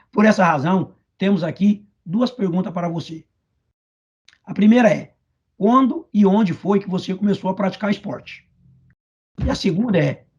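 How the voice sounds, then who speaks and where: A man asks an interview guest his questions in a formal, overly polite way. His voice is husky and slightly high, and the recording sounds dull and muffled. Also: a little mellow.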